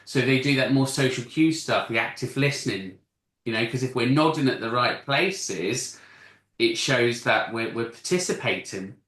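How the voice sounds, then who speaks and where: A man's voice: medium pitch, moderate pace, fairly bright tone, roomy sound. A man in a casual panel discussion who explains at length in long stretches, often restarting his sentences. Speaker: panel guest explaining masking.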